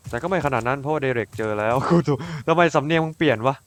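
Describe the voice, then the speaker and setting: A man doing casual let's-play commentary, cursing freely, bursting out excitedly and talking to his game character like a friend. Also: fairly high pitch, very fast. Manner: crude, swears a lot, excitable outbursts; talks to his game character as if to another person. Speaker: gaming YouTuber.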